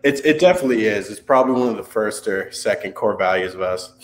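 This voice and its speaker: A man's voice: on the low side, expressive, fast talker. Easygoing man guest, mid voice, faint hum. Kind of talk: casual group video call.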